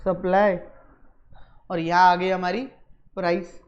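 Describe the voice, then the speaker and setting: A man's voice: sits high, completely flat delivery, slow pace, muffled recording. A male economics teacher giving a recorded lecture in a conversational way, often checking whether his students have understood.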